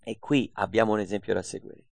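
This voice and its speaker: A man's voice: fairly low pitch, fairly even intonation, fairly quick, creaky, no room sound. A man preaching a sermon, repeating key phrases and asking rhetorical questions.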